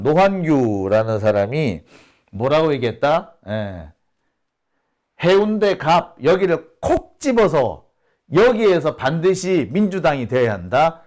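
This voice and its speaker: A middle-aged man from Busan hosting casual political commentary, telling stories and affirming himself with short "ye" interjections. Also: medium pitch. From Busan, South Korea. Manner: animated, storytelling, frequent "ye" affirmations. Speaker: YouTube channel host.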